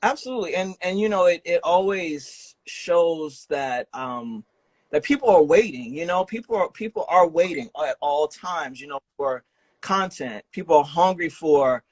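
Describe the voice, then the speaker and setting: A man's voice: on the high side, expressive, normal speed, no echo, rough recording. A man hosting a casual podcast interview, talking in an informal, enthusiastic and affirming way. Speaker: podcast host interviewing a guest.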